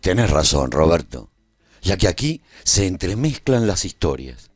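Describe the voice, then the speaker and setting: A man's voice: deep voice, big pitch swings, unhurried, husky, no room sound, clean studio sound, full character voice. An actor playing a male resistance veteran who narrates a post-apocalyptic war in a scripted radio serial. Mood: matter-of-fact.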